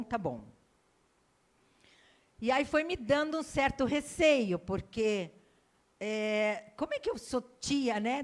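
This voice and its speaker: Animated woman preacher telling a story. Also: fairly high pitch. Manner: animated storytelling, acting out dialogue, addressing the congregation. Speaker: missionary preacher. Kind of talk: sermon storytelling. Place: church.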